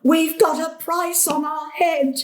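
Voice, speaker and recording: High, slow, muddled elderly grandmother. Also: fairly even intonation. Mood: matter-of-fact. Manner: fretful, slightly muddled. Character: confused, jittery elderly grandmother, easily spooked. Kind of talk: drama acting.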